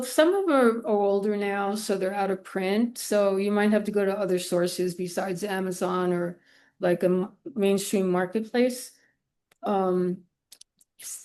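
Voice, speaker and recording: A woman talks as a guest on a podcast. She is conversational and unscripted, letting phrases trail into "you know". Her pitch sits in the middle range. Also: darkish tone. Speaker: podcast guest, illustrator and art professor. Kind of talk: casual interview chat.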